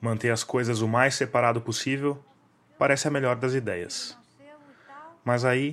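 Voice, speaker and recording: A man speaks at a medium pitch with very even loudness and fairly even intonation, leaving long, frequent pauses. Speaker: podcast host and journalist. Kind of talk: scripted narration.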